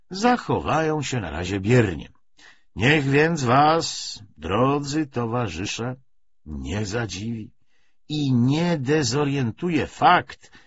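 A pompous communist commissar acted out by a male reader lectures in emphatic, rhetorical phrases. His husky voice swings widely in pitch, on a slightly dull audiobook recording. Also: a bit bright, exaggerated voice. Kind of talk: political speech within an audiobook novel.

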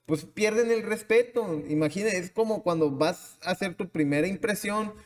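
A man's voice: high-pitched, normal speed, long reverb tail. A man hosting a podcast, giving his opinions in a rambling monologue and often answering his own questions. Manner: rambling, restarts often, asks himself questions. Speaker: podcast host.

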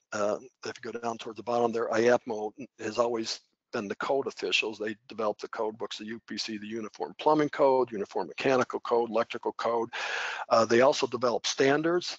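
A man's voice: mid-range voice, dry recording. A middle-aged man giving an unscripted training webinar over slides, folksy and conversational with frequent fillers and restarts. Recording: dull, dry webinar audio.

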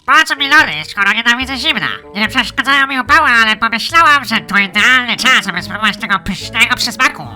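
A rowdy pig-creature girl, talking loud and pushy in a sharp, cutting voice pitched a little high. Game music sits under her lines. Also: quick pace, few pauses. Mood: brash. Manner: loud, brash, stuttering from cold. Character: brash female Piglin student.

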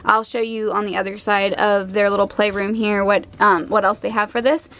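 A young woman and mother giving a relaxed, chatty vlog narration while showing things around her small home. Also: medium pitch, normal speed. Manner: chatty, relaxed, explaining as she shows things. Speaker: vlogger, mother of three girls. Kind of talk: casual organizing vlog narration.

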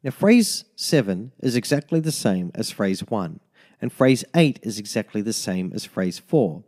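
A man narrating a tin whistle lesson as a voice-over, giving slow, methodical step-by-step fingering instructions. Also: fairly low pitch, big pitch swings, a little mellow. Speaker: music teacher.

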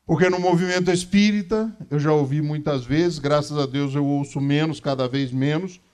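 Higher-pitched Brazilian man giving a lecture. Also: normal speed, darkish tone, clean tone. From Minas Gerais, Brazil. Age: 50s. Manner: didactic, repeats key phrases for emphasis. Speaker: lecturer at a Spiritist centre. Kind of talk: religious lecture with conversational asides. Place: small meeting room, indoors.

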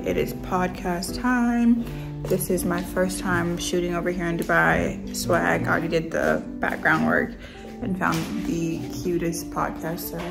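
Upbeat young pregnant vlogger, slightly low and gravelly, talks to camera like a friend. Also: female voice. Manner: chatty, upbeat, lots of "like" and "um". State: heavily pregnant. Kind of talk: casual vlog chat.

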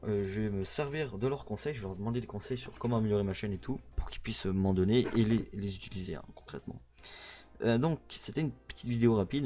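A man's voice: lowish voice, darkish tone, lo-fi sound. Rambling young Québécois man on a vlog. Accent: Québécois French. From Quebec. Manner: rambling, many hesitations and self-corrections. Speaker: YouTuber. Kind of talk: casual vlog update.

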